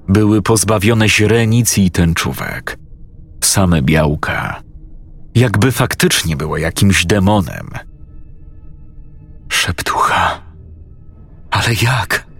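Deep husky man narrating a horror story. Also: a bit bright. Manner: slow, suspenseful first-person telling. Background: faint music.

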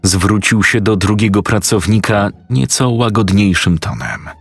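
A man narrating a scripted story in a steady, matter-of-fact way. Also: lowish voice, unhurried, breathy edge, faint music behind.

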